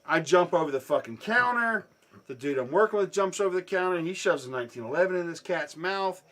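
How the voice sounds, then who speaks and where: A man spins a profane story in casual conversation, his voice dropping to a hush and then bursting out loud. He speaks in a slightly higher register, with animated swings in pitch. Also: fast talker. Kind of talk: casual anecdote telling.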